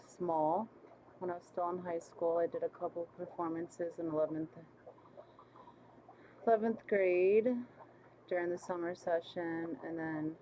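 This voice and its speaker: A woman with a small, squeaky voice hosting a casual livestream, chatting, laughing easily and reading viewer comments aloud. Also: a little hiss or hum. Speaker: livestream host. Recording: slightly muffled lo-fi stream audio.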